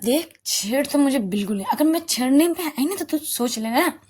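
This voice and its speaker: A woman narrator puts on a cheeky young student girl with a fairly high voice, coaxing her friend one moment and ribbing her the next. The tone stays light and mischievous, the same voice as the storyteller. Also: lively intonation, normal speed, darkish tone, slight background noise. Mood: mock warning. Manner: coaxing, teasing.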